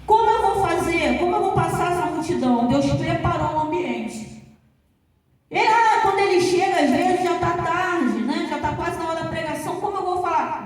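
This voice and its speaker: A woman's voice: sits high, a little mellow. A woman pastor preaching a sermon, telling stories in a conversational way and speaking to her listeners by name. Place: church. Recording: echoey church hall, distant mic.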